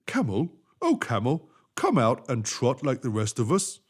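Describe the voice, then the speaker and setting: A man voicing an earnest, indignant horse in a storybook, complaining in drawn-out phrases. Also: medium pitch, wildly swooping pitch, husky, heavily acted. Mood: urging.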